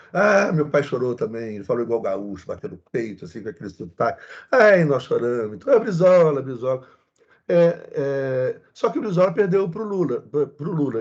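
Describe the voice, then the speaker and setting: A man's voice: medium pitch, darkish tone. A Brazilian man giving a casual lecture, chatting and telling a story with many asides. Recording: husky voice, dull lo-fi sound.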